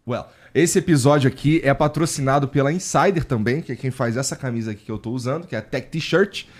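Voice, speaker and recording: A man's voice: mid-range voice, fast talker. A Brazilian man hosting a podcast, talking casually in an informal, slangy way. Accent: Brazilian Portuguese. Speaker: podcast host. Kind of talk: casual chat.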